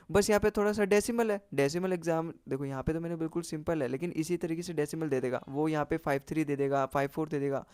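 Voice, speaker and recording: A man's voice: on the high side, darkish tone, no echo. A man teaching an exam-prep maths lesson, explaining step by step and often checking in with the listener.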